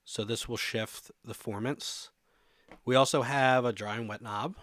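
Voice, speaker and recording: A man's voice: medium pitch, fairly even intonation, unhurried, a bit bright, dry recording, studio quality. A man presenting a music production tutorial in an informal, conversational way, explaining things step by step.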